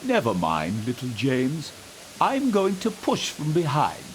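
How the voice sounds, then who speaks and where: Man playing a big male steam engine, hearty, patronising, slow, lively pitch, storybook tale. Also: slight background noise. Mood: amused.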